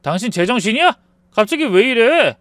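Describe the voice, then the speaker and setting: A stubborn husband, pleading and defensive, with a lively rising and falling pitch, as a woman narrator plays him. The sound is dry and close to the mic. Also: moderate pace, dry recording.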